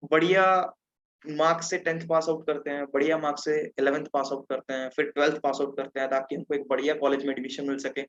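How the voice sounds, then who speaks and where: A teenage man from Punjab runs an online class over a video call, his voice sitting a little high. He talks in a chatty way, keeps checking in with his audience, and the sound is dull and lo-fi. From Punjab, India. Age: teens. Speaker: webinar presenter. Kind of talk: interactive online lesson.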